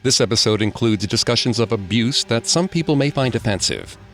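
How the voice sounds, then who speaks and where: A man co-hosting a podcast, reading scripted true-crime narration in a measured, grave delivery. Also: mid-range voice, expressive. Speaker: podcast co-host.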